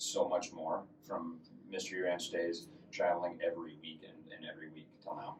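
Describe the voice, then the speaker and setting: Loudness swings widely as a man speaks at a moderate pace with audible room echo. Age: 20s. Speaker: podcast host and gym owner. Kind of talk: casual chat.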